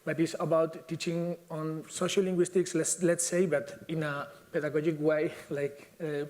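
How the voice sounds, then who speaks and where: A man's voice: on the high side, little pitch movement, moderate pace, darkish tone. Hesitant man. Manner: hesitant, many fillers and restarts. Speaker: symposium speaker. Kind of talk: conference talk.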